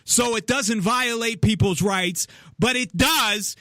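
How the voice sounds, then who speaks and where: A man with a fairly high voice argues politics in blunt, profane bursts, often cutting across the other speaker. The sound is dry and close, with no room around it. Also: takes it slowly, sharp tone, no room sound. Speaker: podcast host. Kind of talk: heated political discussion.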